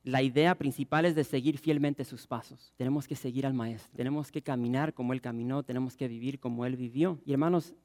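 Passionate pastor preaching. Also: male voice, mid-range voice, fairly even intonation, a little fast, few pauses. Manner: passionate, acts out crowd shouts and quotes. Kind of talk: sermon.

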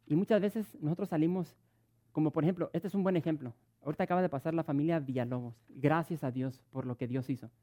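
A man's voice: on the high side, fast, warm tone. A middle-aged man preaching a sermon, telling stories with many stuttered restarts. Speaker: pastor.

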